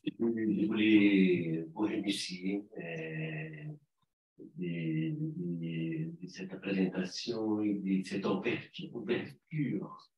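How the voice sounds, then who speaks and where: Slow, halting man, distant and roomy. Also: sits low. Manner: hesitant, halting with many repeats. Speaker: audience member at a lecture. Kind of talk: conference discussion remark. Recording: roomy, distant, dull sound.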